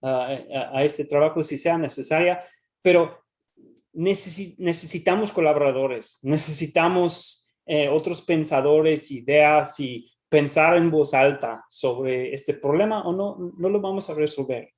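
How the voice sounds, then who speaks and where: Man speaking careful, halting Spanish. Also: fairly high pitch, a little mellow. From United States. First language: English. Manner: halting, frequent restarts and repeated words. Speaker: researcher presenting. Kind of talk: academic talk and Q&A.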